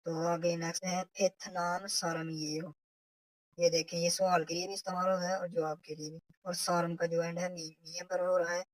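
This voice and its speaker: Woman teaching slowly from a textbook. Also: fairly low pitch, level tone, dry recording, poor audio. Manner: slow, step-by-step explanation, repeats example phrases. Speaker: Korean language teacher. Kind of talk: recorded lesson explaining a textbook.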